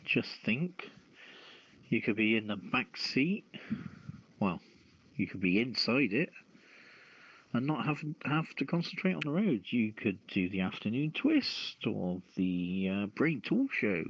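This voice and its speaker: A man with a lowish voice chats casually as a radio co-host. He takes his time, musing and joking as he poses questions. The sound is dry and slightly muffled. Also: no room sound. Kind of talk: casual news discussion. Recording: muffled lo-fi audio.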